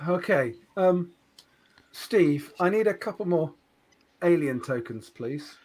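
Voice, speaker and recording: GM casting: man with a slightly raised pitch, talky descriptive narration full of restarts. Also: animated, slow, darkish tone. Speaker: game master. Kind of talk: narrating a tabletop horror game.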